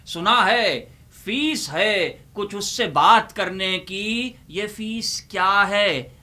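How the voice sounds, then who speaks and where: A Pakistani man hosting a humorous poetry reading, delivering verses in a theatrical, drawn-out way with repeated lines and banter. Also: high voice, sharp tone. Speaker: host reciting humorous Urdu poetry. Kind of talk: dramatic comic poetry recitation with banter.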